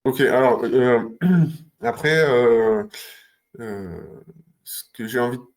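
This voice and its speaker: A man interviewing a guest in a casual chat, halting and hesitant, pausing on fillers. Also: medium pitch, animated. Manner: hesitant, halting, clears throat. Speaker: interviewer, channel host.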